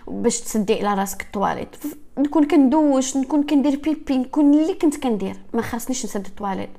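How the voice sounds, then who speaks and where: A woman's voice: high voice, animated, racing, gravelly, mellow. A woman with a Moroccan accent speaking earnestly to her viewers about her own experience, dropping French and English words into her speech. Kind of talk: personal talk to viewers.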